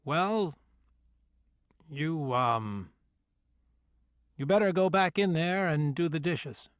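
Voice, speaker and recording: A man voicing a weak, evasive father who is gruff and fearful, urging in hushed tones. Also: on the high side, lively intonation, slow pace, dry recording, muffled recording. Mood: hesitant.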